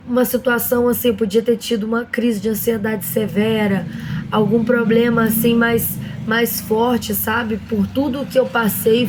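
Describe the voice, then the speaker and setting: A woman with a hoarse, somewhat high voice hosts a relaxed devotional chat, often checking in with her viewers. She slows down and stresses each word as she reads scripture aloud. A faint hiss of noise sits under the recording. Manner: speaks slowly and deliberately when reading verses; frequent fillers and direct address to viewers. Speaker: online devotional host. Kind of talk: casual devotional chat with Bible reading.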